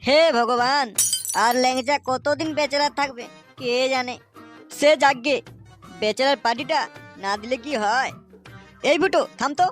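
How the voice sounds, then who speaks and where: Woman playing a high-pitched cheeky drinking buddy. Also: moderate pace, long pauses, faint music behind, lightly acted. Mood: cheeky banter. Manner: slangy, bantering. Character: tipsy young male drinking buddy, cheeky and boastful. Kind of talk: comic cartoon dialogue.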